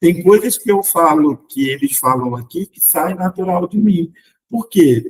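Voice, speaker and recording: High-pitched and lively in intonation, a man speaks at a fairly slow pace with big swings in loudness, the sound dry and close with no echo. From Rio de Janeiro, Brazil. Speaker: pastor teaching a discipleship class. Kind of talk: lecture. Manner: hesitant, frequent fillers and restarts.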